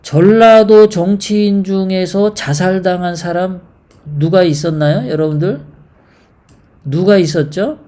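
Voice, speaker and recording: Slow, mellow-toned live political commentator. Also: medium pitch. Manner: rambling, poses rhetorical questions to viewers; halting, many fillers and repeats.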